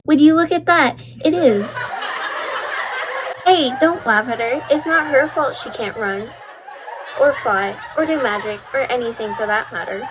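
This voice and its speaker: A woman voicing a smug, popular mean schoolgirl in an animated web series, taunting with sugary sarcasm. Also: high voice, a little slow, very noisy. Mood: mocking. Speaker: voice actor in a fan-made Roblox school series.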